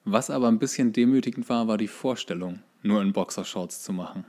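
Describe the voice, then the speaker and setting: A man co-hosting a podcast, telling stories in a wry, colloquial and halting chat. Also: on the low side, darkish tone. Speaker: podcast co-host. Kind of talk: casual chat, storytelling.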